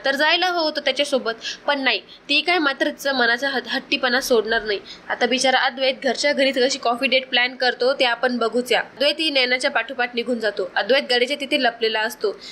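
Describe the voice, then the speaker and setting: High, bright female recap narrator. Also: fairly even intonation, brisk, slight background noise. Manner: chatty, sympathetic asides. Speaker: narrator of a serial episode recap. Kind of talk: storytelling narration.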